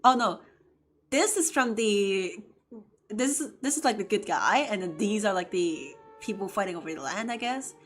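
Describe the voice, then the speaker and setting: A woman's voice: medium pitch, animated, normal speed. Cantonese-accented girl streamer chatting away, rambly, laughs a lot, faint music. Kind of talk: casual gaming-stream chat.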